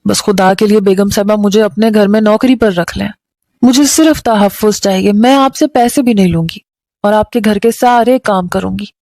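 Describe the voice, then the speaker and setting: A woman's voice: mid-range voice, moderate pace, warm tone, dry recording, natural voice. A woman voicing a frightened young runaway woman who pleads and implores for help. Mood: pleading.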